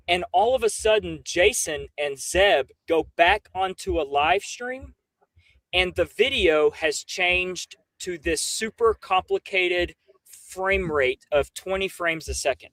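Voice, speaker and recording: High-pitched, animated man on a rant. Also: dry recording. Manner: emphatic, profane, slangy, incredulous. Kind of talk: animated casual livestream rant.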